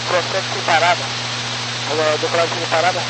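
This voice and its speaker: A man's voice: fairly high pitch, flat delivery, fast. A man with a Brazilian accent speaking as a pilot over an aircraft helmet radio, informal and courteous. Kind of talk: air traffic radio communication. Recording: noisy aircraft radio transmission with hum.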